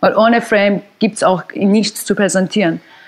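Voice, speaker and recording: A woman speaks with a Persian accent at a moderate pace. Her pitch sits in the medium range, and her intonation stays fairly even. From Iran (Tehran). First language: Persian (speaking German). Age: 30s. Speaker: orchestra musician. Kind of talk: casual interview chat. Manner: halting.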